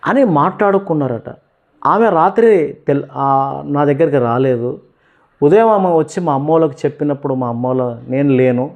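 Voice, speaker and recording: A man's voice: medium pitch, a little mellow. A man in his fifties with a Telangana Telugu accent, earnestly telling his Christian testimony and addressing listeners as beloved. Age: 50s.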